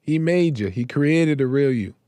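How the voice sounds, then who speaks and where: A man hosting a live faith talk show, speaking in a slow, reflective way with many pauses and repeated phrases while his voice is going hoarse. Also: fairly high pitch, animated, dark tone, dry recording. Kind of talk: casual devotional talk.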